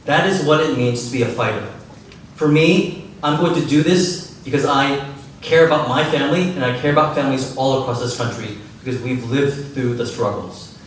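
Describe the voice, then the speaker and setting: A man's voice: mid-range voice, normal speed, far from the mic, slight background noise. A man making an impassioned, rhetorical closing statement as a congressional candidate. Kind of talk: campaign forum closing statement. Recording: echoey hall, mic heard from afar.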